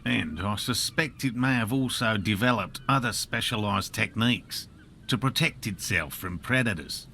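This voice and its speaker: An actor voicing a patient, diligent middle-aged cryptozoologist in a video game, dry and a little sarcastic. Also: male voice, on the low side, expressive, moderate pace, creaky, bright, forceful tone, a little hiss or hum, exaggerated voice.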